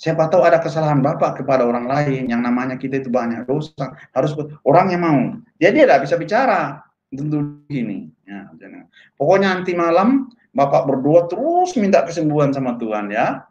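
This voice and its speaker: Guy telling his testimony, lively, acts out voices, echoey dull recording. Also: a little high, a little fast. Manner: animated, acts out quoted voices. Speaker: testimony speaker. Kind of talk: storytelling testimony. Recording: echoey, dull lo-fi room sound.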